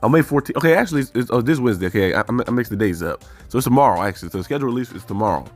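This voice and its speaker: Racing along in an animated, mid-range voice, this fan-channel host works through the team news loosely, thinking out loud and fixing his own slips. Soft music sits behind his casual solo sports talk.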